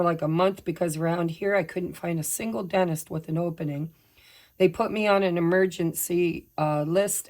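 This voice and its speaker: A woman with a somewhat low, slightly hoarse voice chats casually through a tarot reading. She shares personal updates and apologizes as she goes, while shuffling her decks. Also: a little mellow. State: slightly hoarse, recovering from laryngitis. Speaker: tarot reader.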